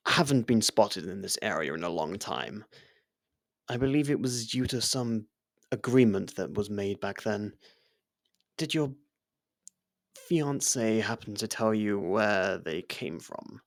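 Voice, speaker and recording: A man's voice: on the low side, expressive, takes it slowly, pauses often, dry recording, clean studio sound. A man playing a devoted, worried royal servant in an intimate fantasy roleplay, speaking formally and earnestly with careful deference. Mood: worried, disapproving.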